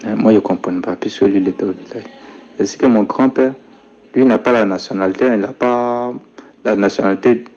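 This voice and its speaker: A young man telling a personal testimony in a soft-spoken way, dropping his voice low when he quotes his grandfather. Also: fairly quick. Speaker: storyteller recounting his life. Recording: dull lo-fi recording.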